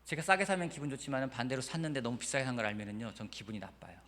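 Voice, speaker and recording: A man preaching a Sunday sermon with lively storytelling, moving between quiet and emphatic delivery. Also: mid-range voice, very fast. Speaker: pastor. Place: church sanctuary. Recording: church hall reverb.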